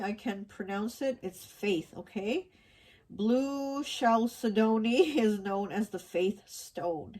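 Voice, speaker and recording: A woman's voice: medium pitch, darkish tone. A woman giving a casual tarot card reading, rambling with many fillers and restarts, her voice stuffy and nasal from allergies. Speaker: tarot reader.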